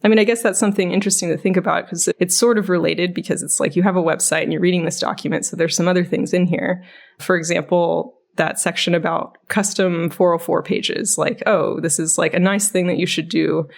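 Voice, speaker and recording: A woman with a slightly low voice co-hosts a casual podcast discussion. She talks conversationally and tends to frame her thoughts as open questions. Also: fairly even intonation, a little fast, creaky. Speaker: podcast host.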